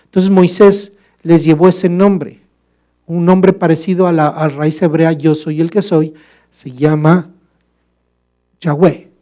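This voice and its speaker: A man preaching a sermon in a church, asking the congregation rhetorical questions and calling them brother, moving between emphatic loud passages and quiet low asides. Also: little pitch movement, takes it slowly, long pauses.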